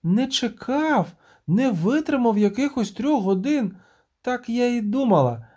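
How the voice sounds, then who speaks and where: Man voicing a shrill mocking sea siren. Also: big pitch swings, a little mellow, heavily acted. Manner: shrill trilling, drawn-out scolding.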